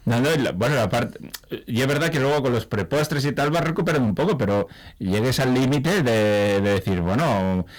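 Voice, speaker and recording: A man hosts an interview in a casual, jokey way. His voice sits at an ordinary middle pitch. He keeps a friendly, enthusiastic tone with the guest. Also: lively intonation, moderate pace. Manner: warm, jokey, enthusiastic praise. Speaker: radio host.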